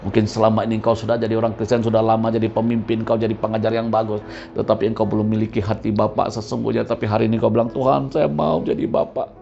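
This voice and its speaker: A man's voice: lowish voice, monotone, racing, gravelly. A male pastor, preaching a storytelling sermon and acting out the voices of the people in his story. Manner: vivid storyteller who acts out the voices of his characters. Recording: muffled recording with soft music behind.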